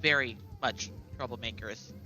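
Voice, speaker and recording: A woman's voice: very deep voice, fairly even intonation, normal speed, bright, forceful tone, soft background music. A middle-aged woman with a general American accent, chatting casually and rambling with lots of asides while playing a game. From United States. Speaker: gaming streamer.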